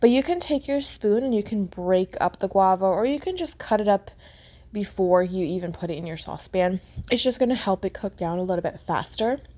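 This woman's tone is dark and mellow, with ordinary pitch variation. She talks at a fairly quick pace. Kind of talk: tutorial. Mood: warm, enthusiastic. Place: kitchen. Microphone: phone near.

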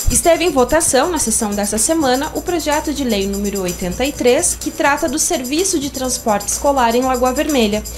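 Over clear music in the background, a woman speaks at a high pitch and moderate pace. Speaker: council press officer. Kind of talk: news report. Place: office. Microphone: handheld.

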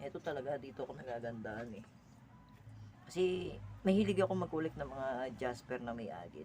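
A man talks at a fairly quick pace in a medium pitch. His pitch swings very widely. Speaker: gem cutter and rockhounding vlogger. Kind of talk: casual tutorial. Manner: unscripted, sometimes stumbling over words.

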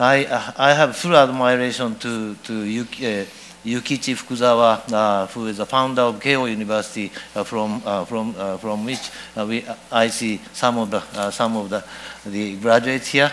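A man's medium-pitched voice in a Japanese accent, fairly slow and fairly even in intonation, over light background noise. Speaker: retired general, academic; speaker. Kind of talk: panel discussion. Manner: halting. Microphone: headset.

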